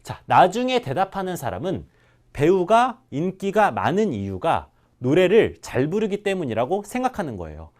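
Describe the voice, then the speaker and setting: A man teaching a language class, drilling example words slowly and clearly for his students. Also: a little high, wildly swooping pitch. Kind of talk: classroom lesson.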